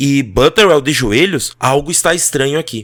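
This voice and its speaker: A man puts on a hoarse character voice with a fairly high pitch. He keeps a moderate pace and ordinary pitch variation. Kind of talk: audiobook narration. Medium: read story.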